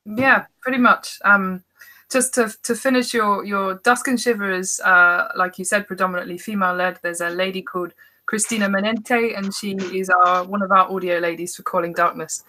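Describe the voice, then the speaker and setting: A woman with a bright, forward voice talks casually as a podcast guest. She sits at a middling pitch and thinks aloud, a little hesitantly, as a writer discussing her craft. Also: fairly even intonation, normal speed, poor audio.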